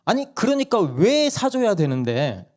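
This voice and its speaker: A man's voice: sits high, sing-song, measured pace, voice pushed up. A man voicing his wife as a curt, firm mother who refuses to buy presents. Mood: blunt, firm. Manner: curt, firm, sharp retorts. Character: blunt no-nonsense mother refusing gifts.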